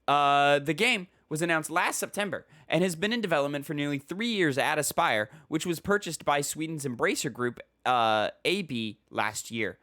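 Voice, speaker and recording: A man's voice: a little high, lively intonation, moderate pace, few pauses, bright, forceful tone, no echo. Podcast host, man, slightly stuffy nose, rambling filler-heavy delivery, dry close-miked sound. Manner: rambling, filler-heavy, reads articles aloud. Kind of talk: casual gaming podcast chat.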